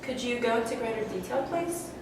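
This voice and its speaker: A woman's voice: a little high, animated, fairly quick. A woman acting as an interviewer in a scripted mock interview, asking eager questions and reading narration. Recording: echoey hall from far off, noisy.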